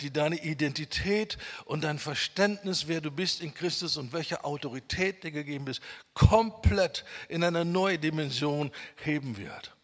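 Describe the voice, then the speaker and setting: Man, preacher, emphatic sermon, slightly high, husky, long reverb. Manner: emphatic, rhetorical questions, shifts between loud and quiet.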